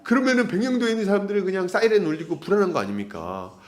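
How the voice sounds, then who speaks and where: Lively high-voiced male pastor preaching. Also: very fast. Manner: animated, rhetorical questions, acts out quoted voices. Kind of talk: expository sermon.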